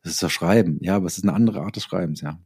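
A man's voice: low-pitched, darkish tone, husky. A middle-aged man speaking as an interview guest, telling things reflectively and often restarting his sentences as he goes. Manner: halting, self-correcting, reflective storytelling. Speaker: interview guest, audio drama writer and author. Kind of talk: conversational interview.

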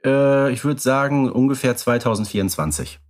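A podcast co-host chats casually about radio plays in a medium-pitched voice at normal speed. He's easygoing and enjoys wordplay.

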